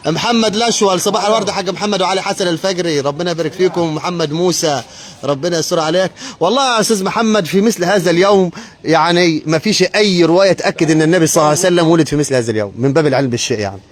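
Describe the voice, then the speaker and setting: A man's voice: high-pitched, rapid-fire. A man vlogging on a street, blessing passersby and adding preachy asides. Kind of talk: casual street vlog with religious musings.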